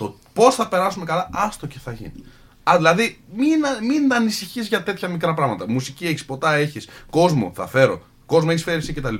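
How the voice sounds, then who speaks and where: With very wide swings in pitch, the speech keeps a moderate pace. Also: man, high pitch for a man. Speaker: podcast co-host. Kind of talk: casual chat.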